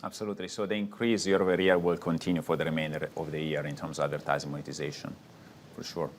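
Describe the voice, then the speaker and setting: A man's voice: extremely low pitch, little pitch movement, fast talker, a little hiss or hum. A man speaking as a finance executive, giving answers on an earnings call.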